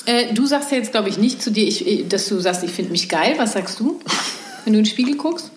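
A woman's voice: mid-range voice, lively intonation, brisk, noisy background. Chatty woman podcaster in an echoey room. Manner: chatty, laughs often, rambling storyteller. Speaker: podcast co-host. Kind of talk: casual chat.

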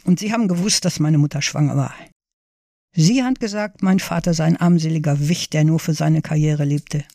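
A young woman confronting the father who left her, her voice quiet and firm, as a woman reads her lines. The sound is dry and close. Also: deep voice, moderate pace, no echo.

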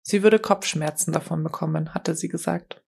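Woman reading an audiobook, steady and measured, voice a touch on the low side. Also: gravelly, breathy edge. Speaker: audiobook narrator. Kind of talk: scripted narration.

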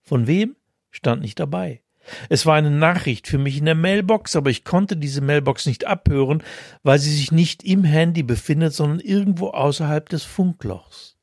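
A man's voice: fairly high pitch, normal speed, a little mellow, no echo. A man co-hosting a podcast, reading his own humorous column with dry, self-mocking storytelling and then chatting casually. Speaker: podcast co-host.

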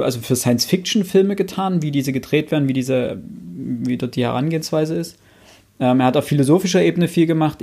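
A man's voice: mid-range voice, vocal fry, dark tone. A man in casual podcast chat, thinking aloud with frequent restarts and enthusiastic recommendations, close on a studio mic.

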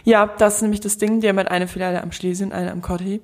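A young woman, co-hosting a podcast, chatting casually and relaxed with many fillers. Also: mid-range voice, fast. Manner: relaxed, colloquial, lots of fillers. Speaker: podcast co-host. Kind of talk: casual chat.

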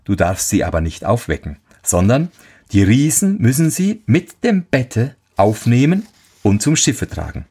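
A man's voice: medium pitch, very animated, a little slow, mellow, slightly rough, heavily acted. A man voicing a wise talking white horse. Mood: advising.

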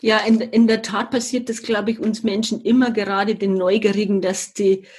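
A woman's voice: medium pitch, level tone, moderate pace, a little mellow, husky. An older woman, a podcast guest, tells her life story in an earnest, reflective way with some hesitations. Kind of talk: personal storytelling in a conversation.

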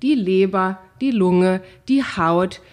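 A woman's voice: medium pitch, takes it slowly, a little mellow. Woman host with a head cold. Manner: opinionated and emphatic. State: has a head cold, runny nose. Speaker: podcast co-host. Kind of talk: casual Q&A podcast talk.

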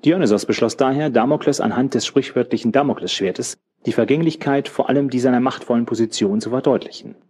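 A man voicing a learned old man who explains a legend in a measured, lecturing way. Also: mid-range voice, warm tone, husky, voice pushed up, lightly acted. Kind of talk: audiobook character voice.

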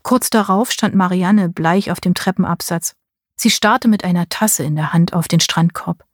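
A woman narrating a first-person audiobook in a measured storytelling way, with a husky voice. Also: lowish voice, no echo, clean studio sound. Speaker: audiobook reader.

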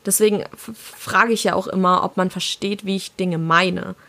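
A young adult woman from southwestern Germany, co-hosting a podcast in casual chat, reflective and often halting as she searches for words. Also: mid-range voice, steady tone, creaky, fairly bright tone, dry recording. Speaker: podcast co-host.

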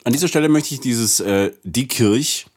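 A man co-hosting a casual podcast, relaxed and a little hesitant, announcing plans to the listeners. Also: mid-range voice, moderate pace, slightly rough. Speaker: podcast co-host.

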